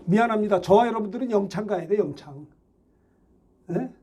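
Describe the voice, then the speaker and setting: Middle-aged male preacher, very high-pitched, fiery and shouting, pressing the congregation with questions. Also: lively intonation, brisk, slightly rough. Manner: shouting, exhorting, rhetorical questions. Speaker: pastor. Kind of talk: fervent Sunday sermon.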